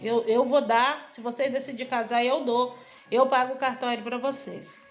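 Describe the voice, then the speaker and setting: With soft music in the background, a woman missionary and preacher recounts her testimony at a normal speed in a fairly high, steady voice. She chats along, linking one event to the next and performing the conversations in her own voice.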